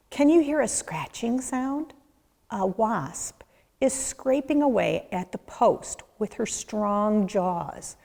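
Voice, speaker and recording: A woman reading a children's book aloud, expressively and deliberately, as a nature educator speaking to young listeners. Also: fairly high pitch, a little mellow. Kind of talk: children's read-aloud narration. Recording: echoey, reverberant room.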